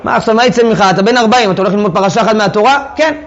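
On a lo-fi recording, a high-pitched man conducts a Torah text class, reading passages aloud before explaining them casually.

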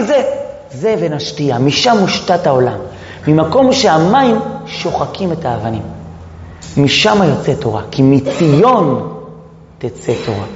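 A man giving a lively Torah lesson, quizzing his listeners with rhetorical questions and joking asides. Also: high-pitched, a little hiss or hum. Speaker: Torah teacher. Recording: echoey hall, muffled sound.

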